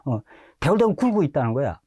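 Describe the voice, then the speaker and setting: A middle-aged pastor from Korea, telling his testimony in lively storytelling style and acting out quoted shouts. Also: fairly high pitch, fast talker, breathy edge, no room sound, clean studio sound. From North Korea.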